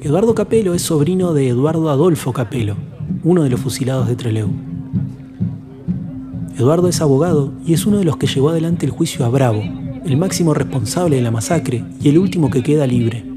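A man's voice: fairly high pitch, lively intonation. Reflective male narrator over music. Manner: measured, personal storytelling. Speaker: podcast narrator.

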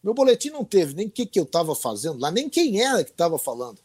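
A middle-aged veteran sports reporter from Rio do Sul guests on a casual storytelling interview, animatedly spinning anecdotes and acting out the voices he quotes. He talks fast, in a high-sitting voice with a breathy edge.

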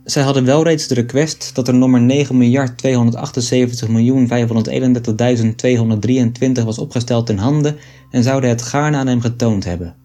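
A man reading aloud an old book in a measured, deliberate way. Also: medium pitch, steady tone, dark tone, faint music behind. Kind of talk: scripted narration of an 18th-century text.

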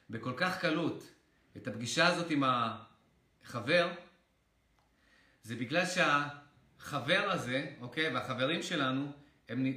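Man, casual storytelling to viewers, bright forceful voice, animated and excitable, swears at times, echoey room. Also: medium pitch. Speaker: motivational creator.

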